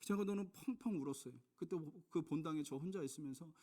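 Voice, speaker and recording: A middle-aged man from South Korea, a pastor preaching a sermon, swinging between loud emphatic lines and hushed storytelling and asking the congregation questions. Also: on the high side, fast talker. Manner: addresses the congregation with rhetorical questions.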